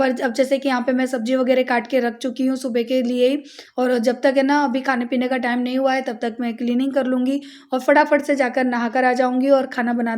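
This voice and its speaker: A young Indian woman with a high, slightly mellow voice chats casually about her household routine in a home vlog. As a family vlogger, she's talkative and speaks directly to her viewers.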